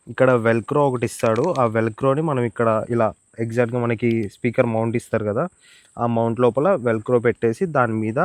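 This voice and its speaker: Speaking at medium pitch with no room sound, this man demonstrates and reviews gear as a motovlogger. His tutorial is relaxed and explanatory, delivered in a Telugu Indian accent with English words woven into the informal talk.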